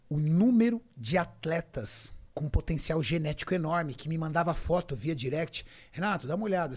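A middle-aged man from Brazil with a somewhat high voice, talking emphatically as an interview guest. He recounts his training life and acts out the conversations he quotes. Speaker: bodybuilding champion guest. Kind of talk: podcast interview storytelling.

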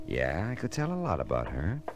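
A man's voice: a bass voice, huge pitch swings, brisk, exaggerated voice. An actor playing a hard-boiled, wisecracking private eye in old radio detective drama, wry and laconic as he narrates and needles people. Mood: wry, world-weary. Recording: old radio recording with music underscore.

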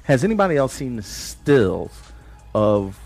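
A man's voice: mid-range voice, very animated, measured pace, vocal fry, a little mellow, faint music behind. A man co-hosting a casual pop-culture podcast, joking around and laughing often. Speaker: podcast co-host.

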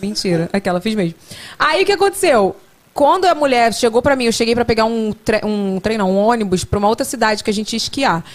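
A young woman with a fairly high voice hosts a podcast at a quick pace. In a casual chat, she tells stories in an animated, joking, teasing way.

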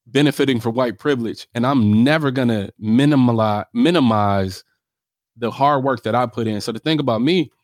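A man's voice: medium pitch, moderate pace, no echo, clean studio sound. A man with an African American accent talking casually in an interview, emphatic and self-assured, often punctuating his points with "right?". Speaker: real estate developer being interviewed.

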